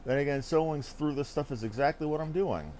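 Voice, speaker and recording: A man's voice: on the high side, brisk, warm tone, a little hiss or hum. A man giving casual gameplay commentary as a streamer, musing aloud with playful asides. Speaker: game streamer.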